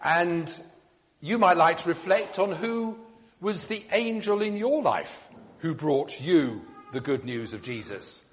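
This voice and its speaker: A man leading a church service, delivering a measured reflection and blessing with frequent ums, his voice carrying in a long churchlike reverb. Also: fairly high pitch, animated.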